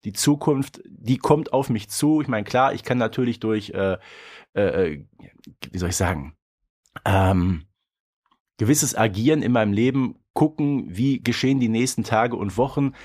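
A man's voice: medium pitch, animated, unhurried, a little mellow. A man co-hosting a podcast, chatting off the cuff in a colloquial, pragmatic way with hesitant phrasing. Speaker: podcast co-host. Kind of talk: casual unscripted review chat.

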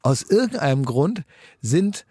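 A man's voice: fairly high pitch, sing-song, measured pace, mellow, slightly rough, no echo, studio quality. A man in casual comedic banter, rambling and teasing, often tagging his colloquial sentences with little questions.

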